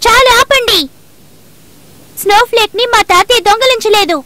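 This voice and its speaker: Very high-pitched, childlike little girl. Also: moderate pace, sharp tone, no room sound. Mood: pleading, indignant. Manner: eager, outspoken. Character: earnest, spirited, tender-hearted little granddaughter. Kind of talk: dubbed cartoon acting.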